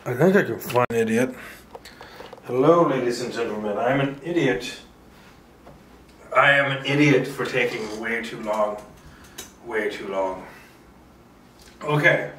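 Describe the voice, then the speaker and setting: Bright-voiced man reading a script aloud. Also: medium pitch, a little slow, long pauses, slight background noise. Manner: stumbles and repeats words while reading. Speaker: script reader. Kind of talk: informal screenplay table read, narrating action. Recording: roomy echo, distant mic.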